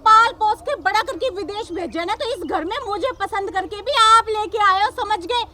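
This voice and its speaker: A woman's voice: extremely high pitch, normal speed, noisy background. A woman playing a defiant young daughter-in-law, a police officer, who lectures her mother-in-law combatively. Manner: combative, lecturing, repeats "samajh gaye".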